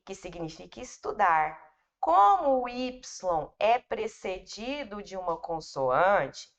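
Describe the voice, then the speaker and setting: Casting: Brazilian woman teacher, patient and informal with students, unhurried delivery, muffled lo-fi sound. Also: mid-range voice, a bit bright. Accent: Brazilian Portuguese. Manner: addresses students informally, explains patiently with repetition. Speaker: English teacher. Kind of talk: slow, step-by-step grammar lesson. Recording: dull, lo-fi recording.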